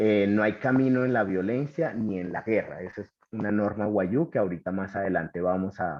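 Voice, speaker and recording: A man's fairly low voice at a moderate pace, with ordinary pitch variation and hardly any pauses. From Colombia, La Guajira (Wayuu community, Maicao). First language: Wayuunaiki (speaking Spanish). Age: 40s. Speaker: dance artist and speaker. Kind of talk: lecture. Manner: hesitant, with fillers and repetitions.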